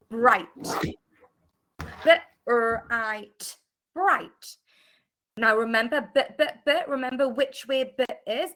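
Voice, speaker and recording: A British woman leads an online phonics class for young children. Her voice is bright and sits a little high, and she sounds out each letter clearly while praising often. It comes through a video call. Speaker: primary school teacher.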